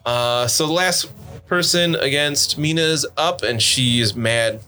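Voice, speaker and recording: A man's voice: medium pitch, unhurried, pushed and bright. A man running a tabletop game as game master, teasing his players and laughing often.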